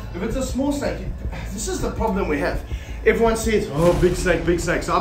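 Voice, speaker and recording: A man speaks over clear music in the background. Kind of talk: casual vlog chat. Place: home room. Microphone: phone near.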